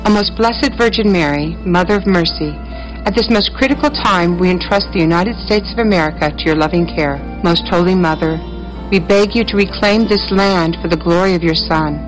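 A woman reading a prayer aloud, slow and solemn. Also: fairly low pitch, over music, low-quality recording. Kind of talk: recited prayer.

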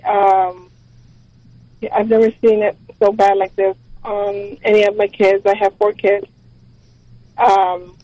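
A middle-aged woman from Texas calling into a radio show to ask for prayers, hesitant and worried, with many pauses. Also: medium pitch, dark tone, no echo, poor audio. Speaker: caller. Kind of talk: phone-in caller asking for prayer.

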